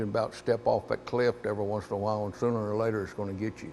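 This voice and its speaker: In a Southern US accent, a man talks with fairly even intonation. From US South, North Carolina. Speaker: retired drag racing champion. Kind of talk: interview.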